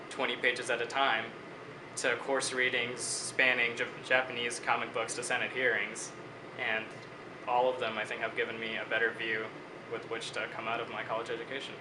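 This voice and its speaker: A man in his twenties from Bangladesh, a student answering interview questions in a measured, reflective way. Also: medium pitch, echoey room, noisy background. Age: 20s.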